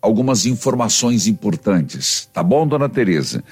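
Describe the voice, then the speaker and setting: A man's voice: fairly low pitch, very animated, normal speed, a little mellow, slightly rough. A man with a Brazilian accent, a priest hosting a religious call-in radio show, talking in a pastoral, exhorting way.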